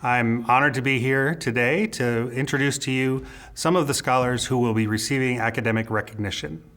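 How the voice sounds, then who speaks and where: A man's voice: mid-range voice, fairly even intonation, fairly bright tone, faint music behind. A man, a school principal, formally announcing award recipients at a ceremony. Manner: formal, measured name reading.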